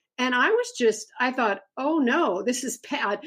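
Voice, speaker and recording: A high-pitched woman with an American accent talks at a fairly slow pace with ordinary pitch variation over a quiet background. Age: 60s. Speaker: author. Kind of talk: interview.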